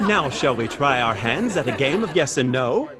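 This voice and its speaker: A man's voice: mid-range voice, very animated, moderate pace, a crowd in the background, lightly acted. A man playing a jolly, teasing Victorian party host in a theatrical audio drama. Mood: merry. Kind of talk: theatrical radio drama acting.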